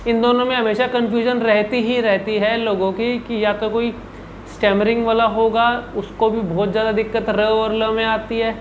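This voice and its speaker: A man's voice: sits high, little pitch movement, moderate pace, slight background noise, rough recording. A man working as a speech coach, answering viewer questions in an instructional video and demonstrating each sound by repeating syllables and words. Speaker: speech and public speaking coach.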